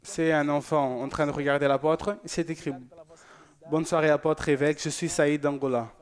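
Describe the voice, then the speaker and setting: Chatty man with a slightly high voice. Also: fairly even intonation, moderate pace. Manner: chatty and joking. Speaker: church show presenter. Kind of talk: casual reading of viewer messages.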